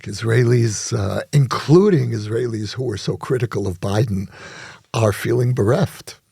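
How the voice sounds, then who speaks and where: Very gravelly, husky man talking. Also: lowish voice, mellow, no echo, studio quality. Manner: reflective, storytelling, measured. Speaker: podcast co-host. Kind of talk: conversational podcast discussion.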